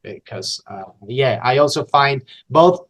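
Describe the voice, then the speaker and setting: A man's voice: mid-range voice, animated, a little slow. A middle-aged man from Spain with a Spanish accent, a podcast guest talking unscripted and with enthusiasm, often restarting and repeating words. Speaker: podcast guest, localization trainer.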